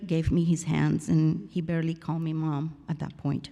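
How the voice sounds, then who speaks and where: In a very clean recording with a silent background, a woman with a Colombian accent speaks at a moderate pace in a fairly low, dark, mellow tone. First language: Spanish. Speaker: college president. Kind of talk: testimony.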